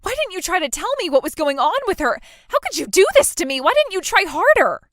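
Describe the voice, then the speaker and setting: A woman's voice: sits high, animated, brisk, a bit bright, no echo, clean studio sound. A young woman playing a self-absorbed, entitled bride who whines and stammers in a scripted drama. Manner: whiny, stammering, self-pitying.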